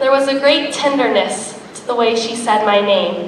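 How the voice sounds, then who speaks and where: Her pace moderate and her pitch variation ordinary, a woman talks with noticeable background noise behind her. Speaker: spoken word poet. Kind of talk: spoken word poetry performance.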